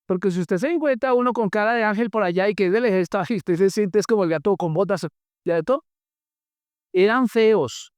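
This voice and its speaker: A preacher giving a sermon, retelling Bible stories in an animated way with joking asides and questions to the congregation. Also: mid-range voice, fairly quick, no room sound, clean studio sound.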